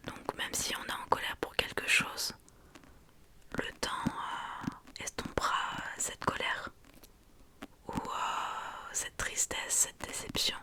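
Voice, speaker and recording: Woman in a slow library whisper. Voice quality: soft library whisper, unvoiced. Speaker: ASMR creator. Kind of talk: whispered ASMR book talk.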